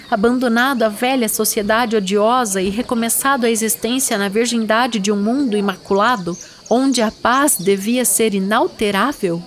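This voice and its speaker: A woman narrating a literary story for an audio drama in a measured, solemn way. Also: fairly high pitch, slight background noise.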